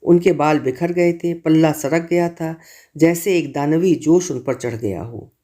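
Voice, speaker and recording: Measured male storyteller, mellow tone. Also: a little high. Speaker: narrator. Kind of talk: literary story reading.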